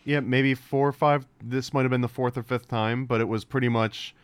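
A man's voice: medium pitch, steady tone, moderate pace, clean tone, no room sound. A man who is a guest on a casual podcast chat, joking in a wry, mock-stubborn way. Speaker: podcast guest, comic book creator.

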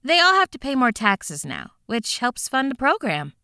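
Chipper caseworker, bright crisp voice, reassuring. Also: female voice, high voice, huge pitch swings, normal speed, no echo, studio quality, full character voice. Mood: businesslike. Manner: cheerful, reassuring, businesslike. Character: upbeat adult woman housing caseworker. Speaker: housing phone agent.

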